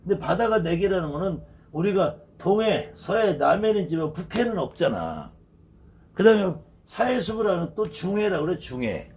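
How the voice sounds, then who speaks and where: A man's voice: high-pitched, big pitch swings, moderate pace, a little mellow. A man, a shaman teacher, explaining in a casual spoken lecture, asking rhetorical questions and repeating key words.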